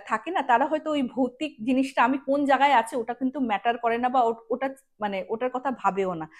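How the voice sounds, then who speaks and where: A woman tells ghost stories as a show host. Her delivery is casual and conversational, like chatting with listeners. She mixes English words freely into her storytelling. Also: high voice. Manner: chatty, mixes English words into speech, acts out quoted dialogue.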